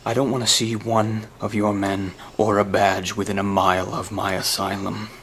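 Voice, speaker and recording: A man playing a grieving, brooding asylum director in a fan web drama, speaking in a halting, deliberate way. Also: low voice, steady tone, fairly bright tone. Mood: cold, menacing. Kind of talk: acted dramatic monologue in a fan web series. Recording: clearly noisy amateur recording with ambience.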